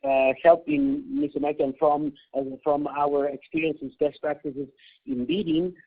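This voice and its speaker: Exec, gravelly, hesitant, tinny phone audio. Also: male voice, on the high side, big pitch swings. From Chile. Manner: halting, many fillers and restarts. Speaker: executive at partner company. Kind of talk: conference call remarks.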